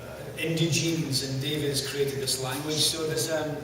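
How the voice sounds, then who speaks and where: A man's voice: a little high, fairly even intonation, normal speed. A man, an actor on a cast panel, chatting casually with frequent laughs and fillers. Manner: laughing, hesitant with many fillers. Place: large film set interior. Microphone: far from the camera mic. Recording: echoey hall from far off with noise.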